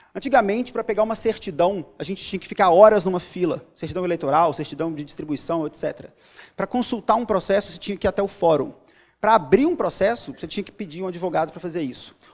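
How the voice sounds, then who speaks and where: Very fast and high-pitched, a man talks with ordinary pitch variation. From Brazil, Belo Horizonte (Minas Gerais). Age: young. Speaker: lawyer and startup founder giving a talk. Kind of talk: talk on stage. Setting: stage with audience.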